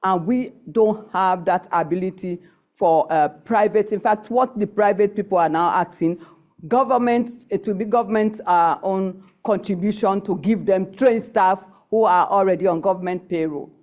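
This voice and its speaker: A middle-aged woman, a nurse and council member, giving an impromptu comment at a conference session in a deliberate, emphatic, halting way. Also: mid-range voice, darkish tone.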